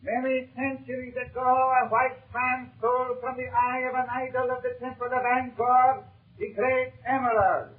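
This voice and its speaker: An actor playing a solemn, menacing tribal leader, declaiming ceremonially in 1930s radio serial style. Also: male voice, very high voice, flat delivery, normal speed, narrow, tinny audio. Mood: accusing. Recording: noisy, thin 1930s radio recording.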